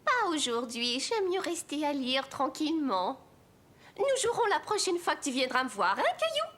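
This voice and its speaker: An actress playing a friendly, doting old lady in a children's cartoon, sweet, coaxing and expressive. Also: high-pitched, moderate pace. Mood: encouraging. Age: older.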